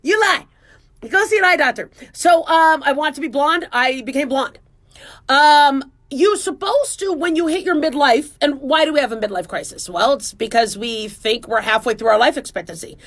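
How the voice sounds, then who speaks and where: A woman's voice: high-pitched, animated, normal speed, fairly bright tone. A woman in her forties hosting a radio show, chatting in a casual, self-mocking, joking way. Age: 40s. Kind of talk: casual talk radio monologue.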